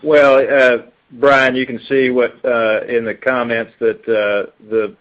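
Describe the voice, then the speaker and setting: A man's voice: mid-range voice, flat delivery, takes it slowly, fairly bright tone. A man speaking as a company executive on an earnings call, answering off the cuff in hesitant, stop-start phrases. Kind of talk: unscripted earnings call commentary. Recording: tinny narrow phone conference line.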